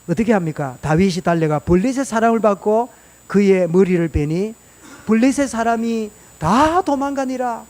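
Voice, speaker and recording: A man's voice: sits high, darkish tone. A male pastor preaching a sermon in church, firing rhetorical questions at the congregation. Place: church sanctuary.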